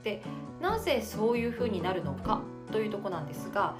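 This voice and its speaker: Lively Japanese woman voice coach. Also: quick pace, over loud music. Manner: lively, demonstrative, varies her pitch on purpose. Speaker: voice coach and podcast host. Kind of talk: solo podcast lesson on speaking.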